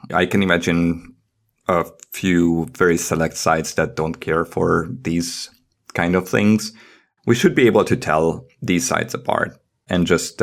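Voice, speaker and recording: Male podcast co-host, low-pitched, creaky delivery. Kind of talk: casual panel chat with some mock-dramatic reading.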